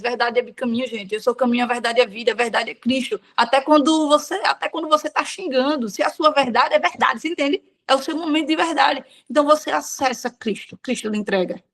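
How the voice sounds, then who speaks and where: Woman, high voice, casual frank devotional talk w/ slang. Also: a bit bright. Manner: frank, conversational preaching with slang. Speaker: devotional speaker.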